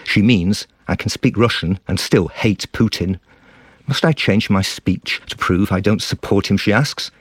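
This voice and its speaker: A man narrates a scripted radio report in a grave, reflective tone. His voice is very low, and the recording is dry and close. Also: a little slow, slightly rough, no echo. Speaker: foreign correspondent.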